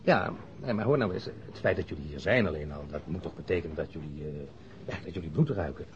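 Eager reporter, low voice, hesitant, chatty, radio drama, dull recording, faint noise. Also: male voice, lively intonation, fast. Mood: probing. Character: eager, chatty bachelor newspaper reporter, former convict. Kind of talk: radio drama dialogue, naturalistic.

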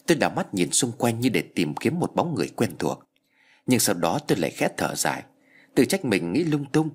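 A man narrating a ghost story in a slow, grave storytelling voice. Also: lowish voice, very animated, breathy edge.

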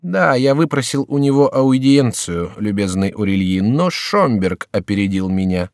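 A man's voice: lowish voice, animated, moderate pace, no room sound, studio quality. A man voicing an insolent young male courtier in a storybook reading, speaking smugly and drawling.

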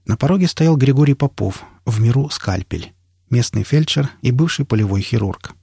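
A man narrating an audiobook in the first person in a steady storytelling manner. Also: medium pitch, normal speed, creaky, breathy edge, no echo, clean studio sound.

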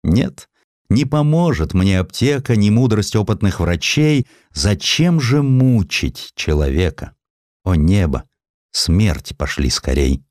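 Male narrator as dying poet, very low, solemn drawn-out verse, weary and suffering, dry audiobook sound. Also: sing-song, darkish tone, no echo. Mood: despairing. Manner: slow, solemn, drawn-out recitation.

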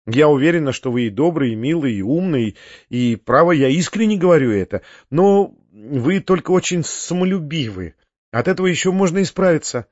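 A man's voice: fairly high pitch, animated, moderate pace, darkish tone, no echo. A male reader voicing an earnest, reproachful young woman who pleads and scolds in rising exclamations. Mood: gentle reproach. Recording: dull, muffled audiobook recording.

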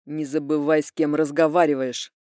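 A woman's voice: sits low, normal speed, a little mellow, no room sound, clean studio sound, lightly acted. A woman voicing a stern, domineering middle-aged father who speaks through gritted teeth.

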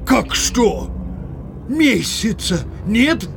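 An actor playing a grumbling, sociable and indecisive village Cossack in an audio play, with drawn-out exclamations. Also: male voice, very high-pitched, big pitch swings, vocal fry, noisy background, full character voice. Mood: grumbling, indignant. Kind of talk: theatrical audio play acting.

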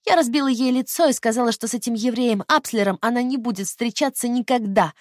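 A woman voicing a hypnotized woman who shrieks her childhood hatred in a shrill, childlike voice. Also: fast, darkish tone, no echo, studio quality, natural voice. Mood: shrill spiteful.

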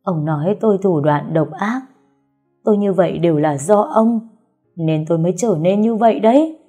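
A woman's voice: fairly low pitch, moderate pace, mellow, slightly rough, faint music behind. A woman voicing a bitter, scheming first wife. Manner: tearful, bitter.

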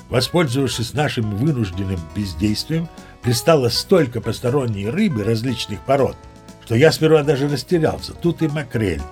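A man's voice: mid-range voice, darkish tone, close to an everyday voice. An actor playing a boastful old sea captain, chatting to the listener as he spins tall tales in an audio play. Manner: chatty, self-satisfied storyteller addressing the listener. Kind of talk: audio play storytelling monologue.

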